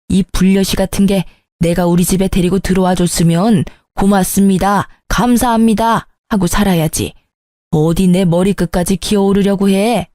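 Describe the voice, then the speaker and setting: Brief: spiteful sister-in-law, shrill and whiny, dark mellow tone, dry close sound, voiced by a woman narrator. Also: dry recording, lightly acted.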